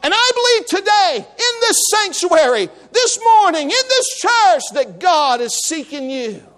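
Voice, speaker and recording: A male preacher with a strikingly high-pitched voice delivers an evangelistic sermon. He exhorts with fervor and drives his points home by repeating short phrases. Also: sing-song, unhurried, a bit bright.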